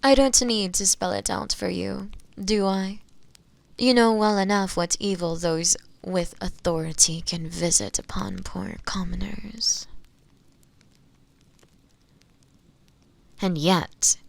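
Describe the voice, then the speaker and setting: A woman playing an imprisoned witch in an audio roleplay, seductive, teasing and obsessive, sometimes hushed as she speaks to the listener. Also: mid-range voice, creaky, no room sound. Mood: bitter, disdainful. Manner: slow, teasing, hushed at times, with pet names. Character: imprisoned witch, seductive, obsessive yandere, bitter toward inquisitors.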